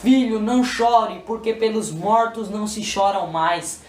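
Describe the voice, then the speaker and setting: Solemn male God, stern and unhurried, as a Brazilian man quotes him, roomy sound heard from a distance. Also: sits high, a little mellow. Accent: Brazilian Portuguese. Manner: slow, measured commands. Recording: roomy, distant mic, faint noise.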